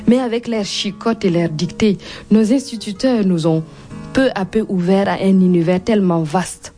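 A woman's voice: medium pitch, normal speed, mellow, faint music behind. A woman from Burkina Faso with a Burkinabé accent, a Mooré speaker, guest author and comedian reading and talking in an interview.

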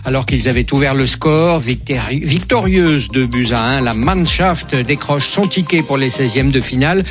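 A man presenting the radio news, reading headlines in a brisk, formal way. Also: mid-range voice, lively intonation. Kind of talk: newsreading. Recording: radio broadcast with music bed.

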